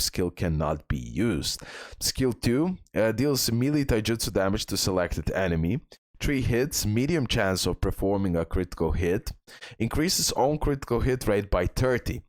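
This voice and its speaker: A man's voice: low voice, no echo, studio quality. A man hosting a video game guide, speaking in casual, enthusiastic bro slang with emphatic repetition as he comments and reads out details. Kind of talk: casual gaming commentary, reading out skill descriptions.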